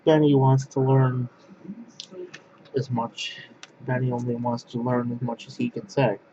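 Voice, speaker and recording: A man from northwest Pennsylvania, talking to camera in a halting, rambling monologue that keeps restarting its phrases. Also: medium pitch, completely flat delivery. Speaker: language vlogger. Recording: dull lo-fi sound with clear background noise.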